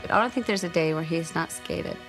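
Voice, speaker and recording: A middle-aged mother recounting in an interview the day her son was hurt, speaking in a measured, earnest way. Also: lowish voice. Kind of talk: interview recollection. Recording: music bed under voice.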